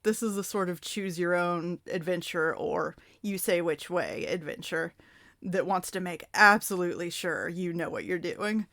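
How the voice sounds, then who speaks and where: A woman's voice: lowish voice, moderate pace, a bit bright. A woman reading a storybook aloud expressively as host, with playful, dramatic asides to the listener. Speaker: host reading a choose-your-own-adventure book aloud. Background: music under the voice.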